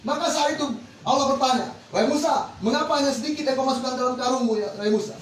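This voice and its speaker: A man's voice: very high-pitched, fast, a crowd in the background. A man preaching a Muslim sermon, exhorting listeners with rhetorical questions. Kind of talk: religious sermon to an audience. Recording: echoey, distant mic with faint noise.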